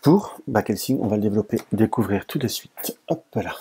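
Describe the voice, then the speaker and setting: Male tarot reader, low mellow husky voice, halting and self-correcting delivery. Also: animated. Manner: hesitant, stammers and restarts often. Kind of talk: casual tarot reading to camera.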